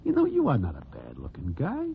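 An actor playing a wry Broadway narrator in a 1940s radio drama, speaking formally, without contractions. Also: male voice, mid-range voice, huge pitch swings, brisk, vocal fry, breathy edge, exaggerated voice. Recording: tinny old radio broadcast with music.

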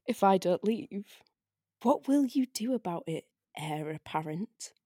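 A taunting, otherworldly spirit acted by a woman in an audio drama read. The delivery is unhurried, sardonic and provoking, savouring each phrase. The sound is close and dry, with very little room. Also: medium pitch, lively intonation, warm tone, no room sound. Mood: mocking, teasing. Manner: drawn-out, sardonic, needling. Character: taunting disembodied arcane spirit, silky and provoking.

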